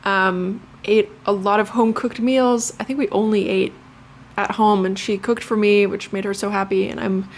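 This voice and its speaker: A woman's voice: medium pitch, fairly even intonation, normal speed, a little hiss or hum. A young woman from Lithuania, a native Lithuanian speaker, chatting casually to camera as a vlogger, with many fillers and restarts.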